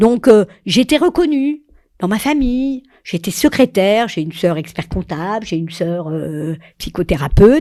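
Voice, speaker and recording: A woman speaks at a fairly slow pace in a fairly high pitch, her dark, mellow tone carried on very wide pitch swings. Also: very clean recording, silent background. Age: 70s. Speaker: singer and vocal coach. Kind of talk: interview. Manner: halting.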